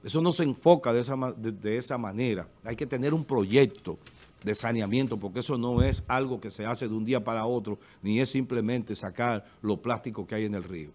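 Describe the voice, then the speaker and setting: A man's voice: medium pitch, a little fast, a little mellow. Middle-aged dominican guy on a tv talk panel, emphatic, lots of eh's, studio desk mic. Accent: Dominican Spanish. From Dominican Republic. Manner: emphatic, gestures with hands, repeats filler eh. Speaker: panelist on a local TV talk show. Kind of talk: opinionated political commentary. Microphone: desk studio microphone.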